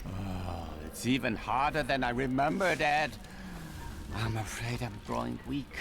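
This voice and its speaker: An actor playing a genial, flirty jeweler merchant in a video game, chatty and theatrical. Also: male voice, medium pitch, a little slow, creaky. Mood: mock complaining. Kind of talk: video game character dialogue.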